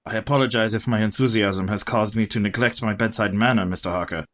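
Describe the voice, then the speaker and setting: An actor in a radio play playing a learned, gentle and grave elderly professor who speaks in a formal, measured way. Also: male voice, fairly low pitch, fairly even intonation, lightly acted. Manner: formal, courtly, measured speech.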